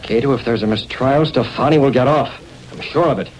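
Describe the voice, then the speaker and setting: Actor as resolute crime-fighter, earnest and explanatory, hissy 1930s broadcast. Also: male voice, medium pitch, brisk, close to an everyday voice. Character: Britt Reed, determined young male publisher and masked hero. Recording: crackly 1930s radio recording.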